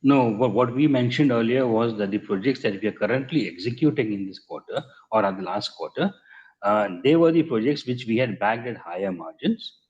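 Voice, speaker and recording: An Indian man answering investor questions as a company executive on an earnings call, in measured, hesitant phrasing with repeated words. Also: mid-range voice, animated, a little mellow, breathy edge. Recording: muffled conference call audio.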